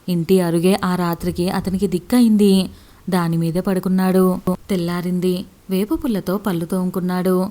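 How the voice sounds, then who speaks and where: A woman's voice: fairly low pitch, warm tone. A woman narrating a village story steadily as a storyteller.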